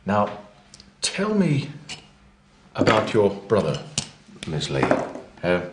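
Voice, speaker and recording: A nosy middle-aged private investigator, low-voiced and swinging widely in pitch. He hums and hesitates between questions. The room around him sounds roomy. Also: wildly swooping pitch, background noise, exaggerated voice. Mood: curious. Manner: hesitant, fills pauses with hums and uhs. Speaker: actor in a teaching drama. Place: small office set, indoors.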